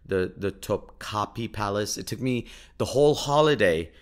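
A man with a fairly low voice and Urdu as his native language hosts a solo podcast. He talks casually, telling stories with wry, joking exaggeration. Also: animated, normal speed. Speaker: podcast host. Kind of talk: casual storytelling monologue, travel anecdotes.

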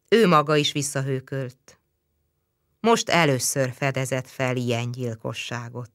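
A woman narrating a novel as an audiobook in measured storytelling. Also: low-pitched, pushed and bright, smooth, no room sound, clean studio sound. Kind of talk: scripted literary narration.

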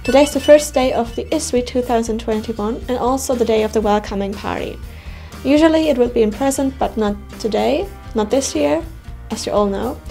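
A young woman with a high voice hosts a casual show. She presents and asks questions conversationally, with faint music behind her. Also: moderate pace, creaky. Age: 20s. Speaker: show host.

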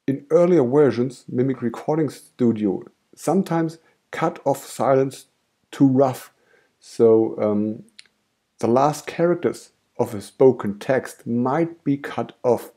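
A man with a German accent, a native German speaker, calmly explaining software steps in a screen-recorded tutorial. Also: mid-range voice. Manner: calm step-by-step explaining. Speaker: tutorial host.

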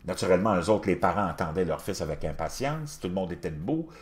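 A man in his fifties with a Québécois accent, telling a personal story in a casual, animated way and talking straight to the listener. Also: low voice, fast talker. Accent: Québécois French. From Quebec. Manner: animated, addresses the listener directly.

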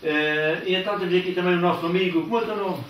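An older man interviewing a couple in a living room, asking slow, hesitant, friendly questions into a handheld mic. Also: sits high, fairly even intonation, a bit bright. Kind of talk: casual TV interview. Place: living room of a house, indoors. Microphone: handheld microphone. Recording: roomy, distant, faint background noise.

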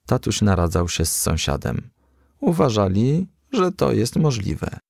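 A man reading a children's story aloud in a gentle storytelling manner. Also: on the low side, big pitch swings, measured pace, gravelly, no echo, studio quality. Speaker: audiobook reader.

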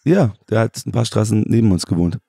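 A man with a Bavarian accent tells animated stories at a rapid clip, often breaking into laughter and restarting his sentences. His voice has a husky edge. The sound is dry and close, with no room around it. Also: fairly low pitch, no room sound. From Germany. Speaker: podcast guest. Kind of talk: casual chat.

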